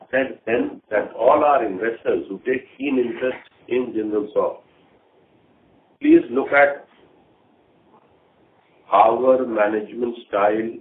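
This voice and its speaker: Tinny phone audio, faint noise, male executive, mid-pitched voice, deliberate halting phrasing, earnings call commentary. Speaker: company executive briefing investors. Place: conference call.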